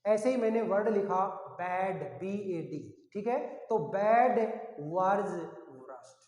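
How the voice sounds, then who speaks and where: A man's voice: high-pitched, takes it slowly, darkish tone. A male teacher giving a grammar lesson, asking questions and answering them himself, repeating key words. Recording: echoey room with long reverb.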